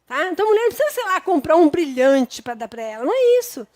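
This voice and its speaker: Brazilian woman preacher, high voice, casual sermon tone, dry close sound. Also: very animated, fast, a little mellow, dry recording. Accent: Brazilian Portuguese. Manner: conversational and homely, with frequent tag questions.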